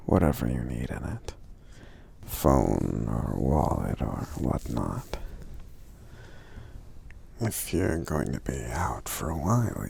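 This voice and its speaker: A man playing a kindly, considerate giant friend in a soft-spoken ASMR roleplay, gentle and hesitant, murmuring with thoughtful hums in a gravelly half-whisper. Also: very deep voice, exaggerated voice.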